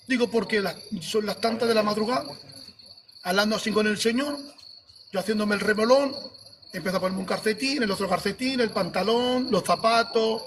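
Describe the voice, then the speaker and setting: A man from giving a lively preaching testimony, acting out his own pleas as he tells the story. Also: sits high, a little fast, noisy background. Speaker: church brother giving testimony.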